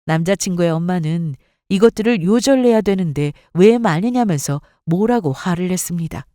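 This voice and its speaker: A woman narrating a first-person drama story in an expressive, scripted style. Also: on the low side, normal speed, no room sound, clean studio sound.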